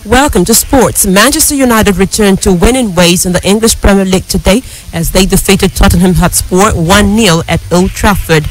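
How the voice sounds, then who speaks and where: A woman with a Nigerian accent reads scripted radio news as an anchor, in a formal, measured way. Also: medium pitch, rough recording. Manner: formal, measured newsreader delivery.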